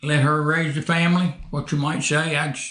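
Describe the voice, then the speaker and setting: In an Appalachian accent, a man talks at a fairly high pitch. The background is quiet. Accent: Appalachian American. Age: 80s+. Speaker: retired coal miner and farmer. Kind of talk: casual interview.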